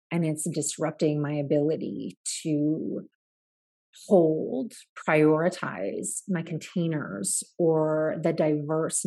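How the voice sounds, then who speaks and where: A woman hosting an interview in a low, mellow voice. She asks curious, probing questions in long, winding sentences, often restarting as she builds to the point. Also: creaky, slightly rough. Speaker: podcast host. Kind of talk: conversational interview.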